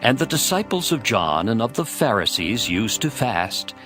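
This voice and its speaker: A man's voice: mid-range voice, big pitch swings, normal speed, fairly bright tone. A man narrating a dramatized scripture reading from a script. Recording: music behind the voice.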